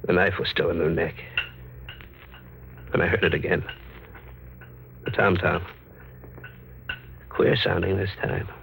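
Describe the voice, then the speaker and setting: A man's voice: low voice, steady tone, unhurried, vocal fry, long pauses, a bit bright, slight background noise, exaggerated voice, rough recording. An actor playing a wounded, feverish man on the run with an American accent, in dramatic 1940s radio horror style with short clipped sentences. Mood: haunted. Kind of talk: 1940s American radio horror acting, first-person narration. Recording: old radio recording with music behind. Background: music.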